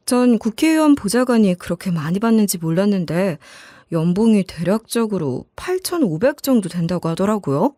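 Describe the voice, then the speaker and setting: A woman's voice: medium pitch, dark tone, no echo, clean studio sound. A woman reading a scripted first-person life story in a conversational, confiding way. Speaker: story channel narrator.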